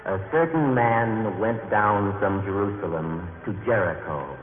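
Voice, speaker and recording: An actor playing a serene holy teacher telling a parable in a stately, solemn radio drama style. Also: male voice, lowish voice, a little slow, narrow, tinny audio, close to an everyday voice. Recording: reverberant, band-limited old radio with music. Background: loud music.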